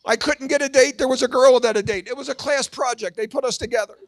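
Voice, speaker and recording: A man in his sixties doing a Christian stand-up comedy routine, telling animated stories and acting out voices and shouts. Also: extremely high pitch, fast, no echo. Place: large event hall with an audience.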